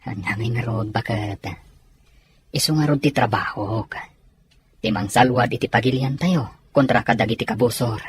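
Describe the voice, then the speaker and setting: A man acts a dutiful Filipino soldier, a reassuring family man in a domestic audio drama. The voice has a middle pitch. Slight noise sits in the background. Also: normal speed, natural voice. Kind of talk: Ilocano audio drama acting.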